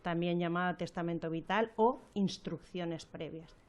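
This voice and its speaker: A woman, a health professional on a radio health segment, explaining a topic in a measured way with fillers and restarts. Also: on the low side.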